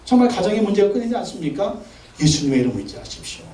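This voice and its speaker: A man's voice: high voice, very animated, rapid-fire, dark tone, a little hiss or hum. A man preaching a Sunday sermon as pastor, making emphatic commanding declarations and repeating phrases for emphasis. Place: large church sanctuary. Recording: echoey sanctuary, mic from a distance.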